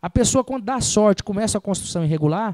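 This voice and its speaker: Against a quiet background, a man with a dark, mellow tone speaks at a fairly quick pace with lively intonation. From Senador Canedo, Goiás, Brazil; Goiás, Brazil. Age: young. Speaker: city council candidate, architect; council candidate. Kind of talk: campaign interview. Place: studio. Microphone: handheld.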